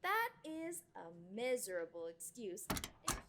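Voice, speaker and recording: A woman playing a saccharine but stern teacher in an audio drama, with drawn-out, theatrical delivery. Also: medium pitch, sing-song, sharp tone, full character voice. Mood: preachy. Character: saccharine, stern class teacher lecturing on anger.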